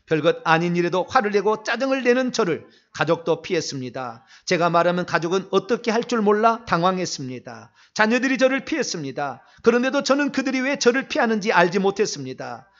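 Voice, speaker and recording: Pastor guy leading a prayer meeting, pretty high voice, muffled lo-fi church audio. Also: sing-song. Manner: slow confessional prayer, then loud fervent shouted prayer. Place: church sanctuary. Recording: dull lo-fi church recording.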